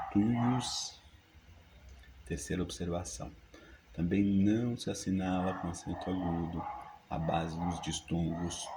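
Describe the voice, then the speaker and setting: A man, teaching a grammar lesson by reading rules and dictating example words slowly and deliberately. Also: sits low, vocal fry, background noise. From Brazil.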